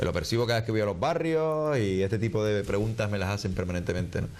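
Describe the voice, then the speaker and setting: A man talks at a very fast pace with lively intonation and a fairly low pitch. His loudness stays very even, and there is audible room echo. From Canary Islands, Las Palmas de Gran Canaria. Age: 40s. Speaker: mayor, politician. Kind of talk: interview.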